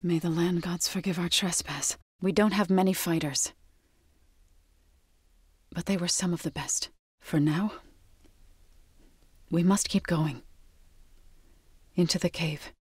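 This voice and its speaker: An actress voicing an earnest young tribal woman warrior in a video game, grave and devout, with measured, careful phrasing. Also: lowish voice, fairly even intonation, husky, dry recording, studio quality. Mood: solemn. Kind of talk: video game character voice acting.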